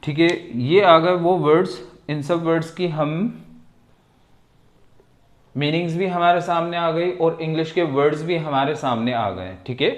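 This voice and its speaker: Male teacher, slightly high voice, slow and patient, echoey room. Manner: patient, repeats words and sentences slowly, asks "ठीक है". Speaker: English teacher. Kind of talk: slow vocabulary lesson.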